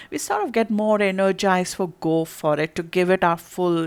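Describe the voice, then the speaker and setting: A woman with a non-native accent speaks at a moderate pace and a fairly low pitch, with fairly even intonation. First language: not English. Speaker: astrologer. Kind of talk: horoscope reading monologue. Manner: halting, with fillers and restarts.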